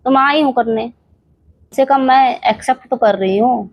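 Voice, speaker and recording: A young woman addresses her camera in a heated reaction vlog, firing rhetorical questions at an absent rival and scolding her directly. Her voice sits a little high. The sound is dry and close, with no room around it. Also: unhurried, no echo, lo-fi sound. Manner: rhetorical questions and repeated challenges. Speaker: reaction channel creator.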